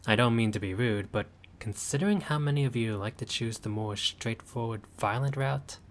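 A man's voice: normal speed, natural voice. A man voicing a friendly, laid-back male vampire host with dry teasing humor in a roleplay audio. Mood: easygoing. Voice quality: low voice, dry teasing humor, grandly theatrical at times.

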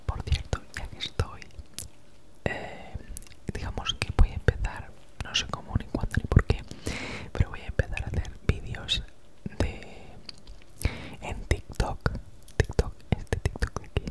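A woman in her thirties with an accent from Spain chats casually in breathy, unvoiced ASMR whispers, very close to the mic, right in your ear, with a noticeable S sound. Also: measured pace, pauses often. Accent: Spanish from Spain. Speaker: ASMR creator. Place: small home room, indoors. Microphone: handheld recorder with foam windscreen, very close.

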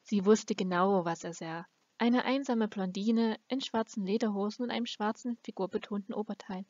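A woman's voice: medium pitch, moderate pace, darkish tone, no echo. A woman reading a fantasy novel aloud as an amateur audiobook narrator. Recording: dull, lo-fi close recording.

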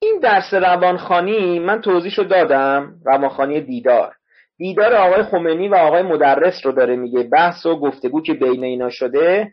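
Man teaching a literature class online, a bit husky, drills words and spellings over a muffled lo-fi mic. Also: a little high. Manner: explains word by word, repeats spellings to students. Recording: dull lo-fi online class audio.

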